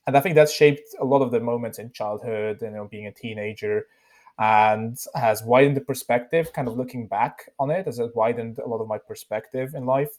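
A man's voice: medium pitch, moderate pace, darkish tone. Reflective Swiss man, podcast guest. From Switzerland. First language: Bosnian. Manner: reflective, many fillers and restarts. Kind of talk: casual interview chat.

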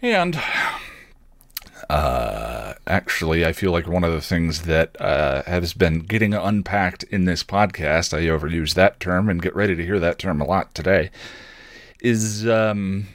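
Low-voiced man rambling on a podcast. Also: expressive, measured pace, no echo, studio quality. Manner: self-deprecating, digressive, often correcting himself mid-thought. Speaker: podcast host. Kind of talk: rambling casual solo podcast monologue.

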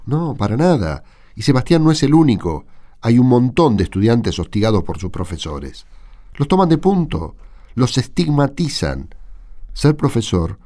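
A man's voice: mid-range voice, a little mellow. A man with an Argentine accent acting an indignant, argumentative catechism teacher in a radio drama. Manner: argumentative, emphatic. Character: indignant male catechism teacher defending a bullied pupil.

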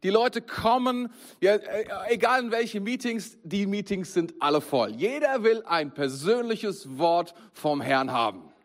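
A man delivers a sermon with a fairly high voice. He speaks in a lively, conversational way and keeps turning straight to his listeners. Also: a little slow. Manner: lively, conversational, addresses the congregation directly. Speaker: preacher.

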